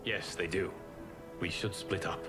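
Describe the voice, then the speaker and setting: An actor playing a solemn, respectful warrior ally in a video game, formal and measured as he urges action. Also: low voice, fairly even intonation. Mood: solemn, urgent. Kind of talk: dramatic video game cutscene acting. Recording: game audio under very loud music.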